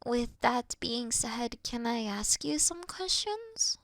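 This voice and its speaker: A woman playing a caring, worried best friend in an intimate roleplay audio call, speaking softly and soothingly with breathy murmurs. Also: on the high side, sing-song, takes it slowly, dry recording, clean studio sound, heavily acted. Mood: patient, encouraging. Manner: soft, soothing, reassuring, sighing, dropping into breathy murmurs. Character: caring, gentle young female best friend, patient and worried.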